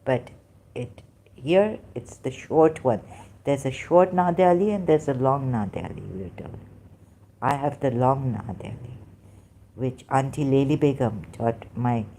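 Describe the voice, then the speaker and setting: A speaker in their fifties talks on a livestream, sounding weak and worn out. The voice is mellow and dark-toned, and the speech halts often, with fillers and restarts. A faint noise sits underneath. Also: mid-range voice. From Pakistan. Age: 50s. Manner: halting, with many restarts and fillers. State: weak and tired. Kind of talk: rambling livestream monologue.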